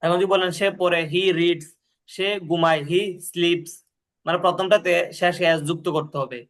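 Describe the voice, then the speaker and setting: A man's voice: high voice, fairly even intonation. A man tutoring English grammar, patiently repeating drills and checking that the student understands. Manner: reads English sentences slowly, then gives the translation. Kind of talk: explaining grammar in a lesson.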